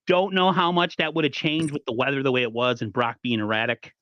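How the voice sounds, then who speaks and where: A man hosting a casual sports podcast, talking in an animated, rambling way with frequent restarts. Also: medium pitch, a little fast, dry recording, lo-fi sound. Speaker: podcast host.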